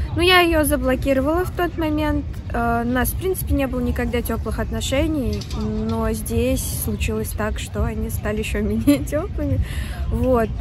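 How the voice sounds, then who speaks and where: Over noticeable background noise, a woman talks at a moderate pace in a dry sound with no echo. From Russia. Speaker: Russian emigrant interviewee. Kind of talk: interview. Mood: calm, reflective, slightly subdued. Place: waterside.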